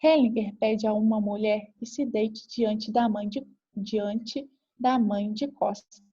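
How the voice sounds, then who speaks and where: A woman calmly reading aloud the account of a group therapy session, in a measured narration. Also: mid-range voice, slightly rough, dull audio. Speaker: reader.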